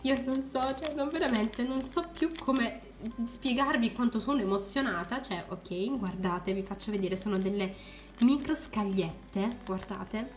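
A young woman who runs a crafts channel, gushing with excitement as she unboxes supplies for viewers. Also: a little high, measured pace, echoey room. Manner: gushing, keeps exclaiming in delight.

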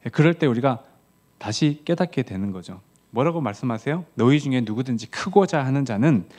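A man preaching an early-morning sermon as pastor, in a conversational style that rises on quoted lines and drops soft on key words. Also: medium pitch.

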